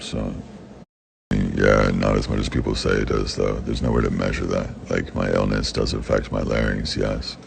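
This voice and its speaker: A young man with a very deep, raspy voice, answering fan questions in blunt, profane casual talk. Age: young adult. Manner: blunt and profane, with frequent swearing. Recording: background noise.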